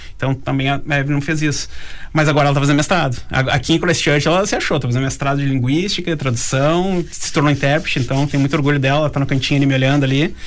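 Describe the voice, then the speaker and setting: A man's fairly high voice at a very fast pace, with very even loudness, fairly even intonation and noticeable background noise. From southern Brazil, Rio Grande do Sul. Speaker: audiovisual professional and former electrician. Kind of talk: radio interview.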